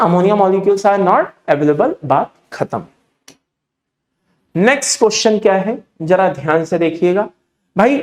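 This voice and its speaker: A man's voice: high voice, darkish tone, roomy sound. A man with an Indian accent teaching chemistry for exam preparation, explaining emphatically, repeating his points and checking in with students. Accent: Indian English. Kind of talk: exam-prep lecture.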